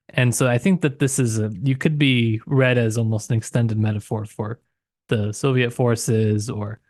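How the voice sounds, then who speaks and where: A man's voice: medium pitch, a little mellow, no room sound, clean studio sound. A man co-hosting a casual literary discussion, analysing in a tentative, hedging way. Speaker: podcast co-host.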